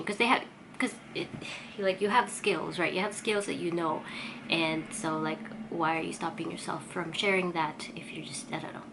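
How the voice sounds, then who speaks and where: A woman's voice: on the low side, background noise. A woman vlogger with a congested, sniffly voice, giving a casual, rambling, self-effacing update on her day. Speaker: vlogger and artist. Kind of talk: casual chatty vlog update.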